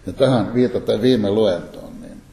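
A man with a very low, dark voice gives a Bible lecture. He reads the scripture passages in a calm, measured way and then explains them.

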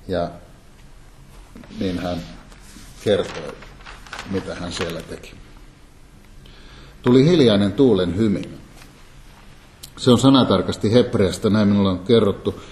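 A man giving a Bible lecture, reading scripture passages aloud in a calm, measured way and explaining them. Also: sits low.

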